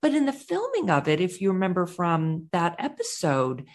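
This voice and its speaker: A woman co-hosting a casual movie podcast, chatting and telling stories with lots of enthusiasm. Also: moderate pace. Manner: animated storyteller, puts on high squeaky voices when quoting. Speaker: podcast co-host. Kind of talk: casual chat.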